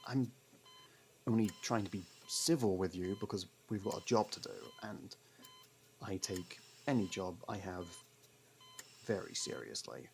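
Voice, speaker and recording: A man acts out a guarded male convict in an intimate audio roleplay, his voice low and heavy with fry. He is sardonic and defensive, stumbling over denials that he cares. Clear noise sits behind the voice. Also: unhurried, long pauses, a little mellow. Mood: flustered denial. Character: gruff, guarded convict partner secretly fond of a detective.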